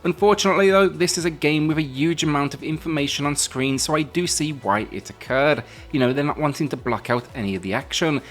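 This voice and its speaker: A man presenting a video game review in a conversational but scripted narration, speaking in measured phrases with emphatic openings to his sentences. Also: a little high. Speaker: game reviewer, channel host. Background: music.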